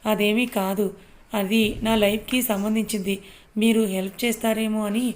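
A woman reads the part of a pleading young man. Her mid-range voice shows little pitch movement and sounds natural at a normal speed.

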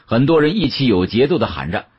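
A man narrating an audiobook as a dramatic storyteller, with an expressive, suspenseful delivery and a husky voice. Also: mid-range voice, quick pace. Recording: dull, muffled audio.

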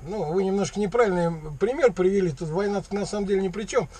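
A man's voice: high-pitched, fast, a little mellow, slightly rough. A man chatting casually on a call from a vehicle cab, rambling and slangy in a mock-naive way. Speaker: prankster taking a sales call. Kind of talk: casual colloquial phone chat. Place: inside a parked vehicle cab.

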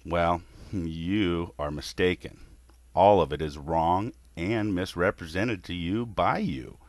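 A man voicing a weary creator god in a scripted monologue, lecturing humanity in a scornful, measured way. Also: low voice, no room sound.

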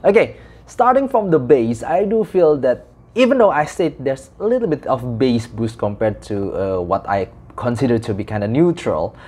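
Young man, halting review delivery. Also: medium pitch, very animated, a little mellow, breathy edge. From Indonesia. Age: young adult. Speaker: audio gear reviewer. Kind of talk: casual product review. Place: small indoor room.

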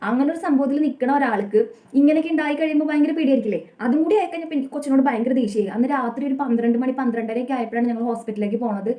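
In an echoey room, a young woman vlogger with a Malayali accent opens up to the camera about a personal story. Her voice is high and warm, and she speaks in a rapid, earnest, confessional way, repeatedly using the tag "kettō".

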